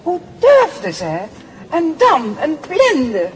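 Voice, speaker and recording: An actress playing an astonished, opinionated concertgoer in a radio play. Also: female voice, sits high, wildly swooping pitch, slow pace, heavily acted. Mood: indignant. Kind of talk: Dutch radio drama acting. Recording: clearly noisy, with ambience.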